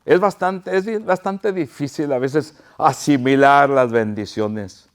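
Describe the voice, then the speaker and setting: A man's voice: medium pitch, slow pace, clean tone. A pastor preaching an impassioned sermon to his congregation, crying out pleas and calling them his brothers.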